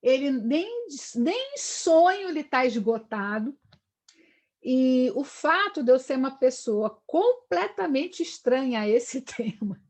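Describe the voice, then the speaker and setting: A woman's voice: high voice, big pitch swings, takes it slowly, darkish tone. A middle-aged woman from Brazil lecturing on history, talking in long discursive runs and tagging her sentences with questions. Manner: discursive, frequent "né?" tags. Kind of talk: live online lecture.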